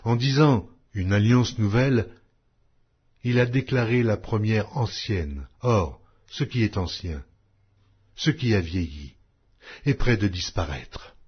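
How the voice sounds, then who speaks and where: Male narrator, husky low voice, solemn scripture reading, measured declamatory phrasing, dull lo-fi recording. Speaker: audiobook narrator. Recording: dull lo-fi audio.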